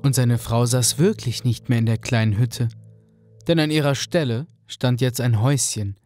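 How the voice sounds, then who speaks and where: A man narrating a fairy-tale radio play in a calm, clear storytelling manner. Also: medium pitch, moderate pace, faint music behind. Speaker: narrator, also voicing the fisherman.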